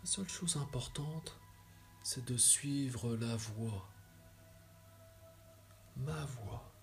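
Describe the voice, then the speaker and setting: A man leads a guided meditation at a very unhurried pace. His voice is soft and soothing, with breathy phrase endings and measured pauses between instructions. Faint music plays behind him. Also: mid-range voice. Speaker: yoga nidra guide.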